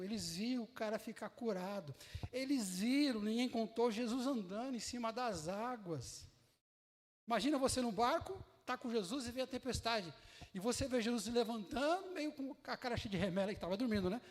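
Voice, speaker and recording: A man with a Brazilian Portuguese accent preaching a sermon in lively, colloquial storytelling that acts out the scenes. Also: high voice. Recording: echoey hall reverb.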